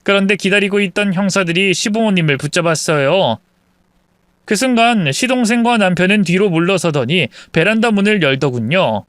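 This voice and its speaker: A narrator reading a dramatic true-story account in a steady, scripted way. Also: mid-range voice, normal speed, no room sound.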